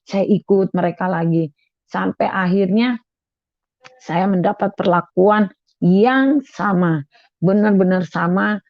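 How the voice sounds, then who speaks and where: A young woman from Madura tells her personal faith testimony in an earnest way, circling back over her own phrases. Her voice carries a gravelly fry. The recording is dull and lo-fi, with a dry, close sound. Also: medium pitch, takes it slowly, long pauses, no echo. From Madura, Indonesia. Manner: earnest, repeats phrases as she recounts. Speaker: testimony speaker.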